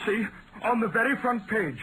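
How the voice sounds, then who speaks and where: An actor playing an agitated, earnest young solicitor, prone to stammering, in a radio mystery. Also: male voice, very high-pitched, expressive, moderate pace, sharp tone, heavily acted. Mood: agitated, urgent. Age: young adult. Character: anxious young London solicitor wrongly accused of murder. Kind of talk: 1940s-style radio acting. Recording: noisy vintage radio drama recording.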